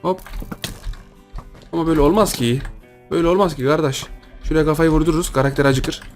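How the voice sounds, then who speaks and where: A young man giving jokey, excitable Minecraft gameplay commentary, talking to viewers and teasing his opponents. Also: on the high side, fast talker, soft background music. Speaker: gaming YouTuber.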